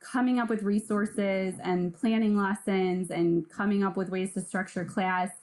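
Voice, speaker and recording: An unremarkable speaking voice from a woman, mid-range in pitch, its pitch moving in an ordinary way. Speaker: music teacher. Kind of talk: webinar presentation. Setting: video call.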